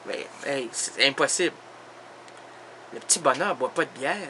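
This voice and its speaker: A man's voice: medium pitch, normal speed, bright, forceful tone, a little hiss or hum. A man playing a mock-formal interviewer in a comedy sketch, questioning with growing exasperation.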